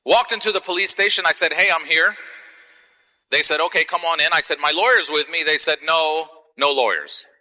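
A man from Palestine hosting a live event, telling a stand-up story in an animated, wry, punchy way. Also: moderate pace. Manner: animated, wry, punchy delivery with swings in pitch. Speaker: comedian and event host. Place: large church hall. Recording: live hall with long reverb.

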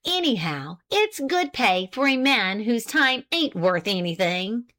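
A thin, shrewish old farm wife, played by a woman, frugal and quick to needle. Her voice sits high and sharp, with a nagging rural drawl that leaps up and down. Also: very animated, full character voice.

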